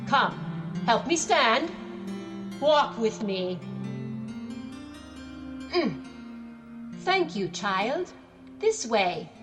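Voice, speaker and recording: A woman playing an imperious, scatterbrained old queen in an audio drama, weary, fussy and dismissive, speaking in a regal, theatrical manner. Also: mid-range voice. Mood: weary, haughty.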